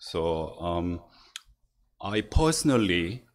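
The voice belongs to a man. The room around him echoes audibly. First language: not English. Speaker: conference presenter on AI. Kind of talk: conference presentation. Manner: hesitant, many fillers.

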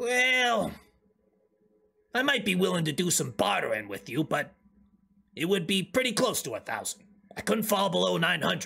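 In a put-on character voice with a high pitch, a man speaks at a moderate pace with long, frequent pauses. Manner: friendly, homespun salesman.

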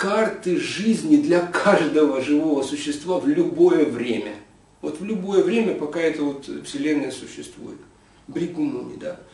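A man speaks at a fairly slow pace, with very wide pitch swings and big swings in loudness. Audible room echo fills the recording. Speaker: lecturer. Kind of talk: lecture. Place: hall. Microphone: camera far.

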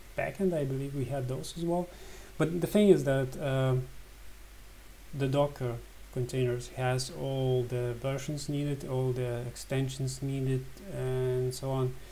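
A man's medium-pitched, somewhat breathy voice with a dark, mellow tone, fairly even intonation, a fairly slow pace and long, frequent pauses. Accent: non-native. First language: not English. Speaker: software developer. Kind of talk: screencast tutorial. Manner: casual, hesitant, many fillers.

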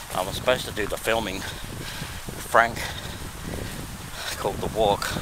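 The sound is dry with no echo, set against loud background noise. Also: man. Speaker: vlogger. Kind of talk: casual vlog chat. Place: open country. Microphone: phone near.

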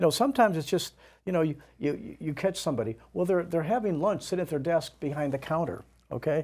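A man with an American accent speaks very fast in a fairly high pitch for a man, his tone dark and mellow and his intonation lively. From Chicago area. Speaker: elected county official. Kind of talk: interview. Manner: animated, lively. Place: studio. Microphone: lapel.

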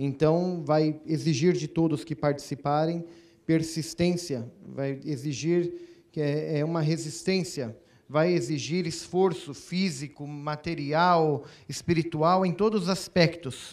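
A man speaks at a very slow pace with fairly even intonation. His pitch is fairly high. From Brazil (São Paulo). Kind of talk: panel speech. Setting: stage with audience. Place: hall. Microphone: handheld.

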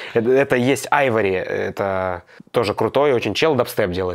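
At a fairly quick pace, a man with a plain, everyday voice speaks with lively intonation. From Russia, Kaliningrad. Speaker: music YouTuber. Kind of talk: casual chat.

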